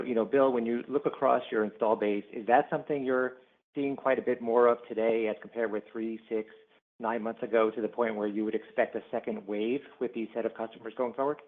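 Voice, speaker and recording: A man speaking as an analyst putting a question on an earnings call. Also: fairly low pitch. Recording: narrow phone-line sound.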